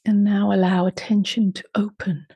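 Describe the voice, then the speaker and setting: A woman leading a guided meditation in a soft, unhurried voice that often drops to a half-whisper. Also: medium pitch, level tone, husky, no room sound, highs cut off. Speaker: meditation teacher.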